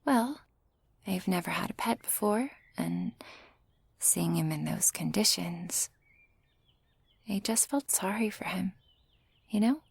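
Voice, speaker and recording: A woman's voice: medium pitch, animated, slow, long pauses, no room sound. A woman playing a friendly flower shopkeeper in a whispered ASMR roleplay. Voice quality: soft breathy whisper. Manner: friendly, softly welcoming.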